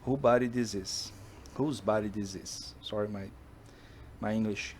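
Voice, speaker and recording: Talking casually to camera in English, a Brazilian man with a Portuguese accent pitches a movie drawn from his own books, often pausing as he gropes for words. His intonation is fairly even and his tone somewhat dark, with a little background noise.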